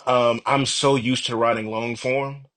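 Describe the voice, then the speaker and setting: A man's voice: medium pitch, flat delivery, measured pace, fairly bright tone. A man speaking as an author guest on a podcast, talking casually in an upbeat, self-deprecating way. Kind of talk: casual conversational interview.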